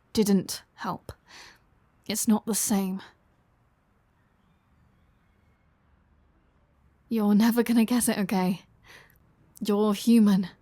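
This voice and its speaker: Slow-talking, teasing vampire woman, acted by a woman. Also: medium pitch, warm tone, no echo, close to an everyday voice. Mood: defensive, exasperated. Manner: teasing, sardonic, foul-mouthed. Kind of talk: intimate roleplay audio drama.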